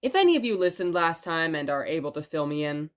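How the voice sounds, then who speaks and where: A woman playing a chatty, playful radio host in an audio drama, telling stories in a conversational, wry and expressive way. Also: sits low, quick pace. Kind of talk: audio drama radio broadcast and scripted narration.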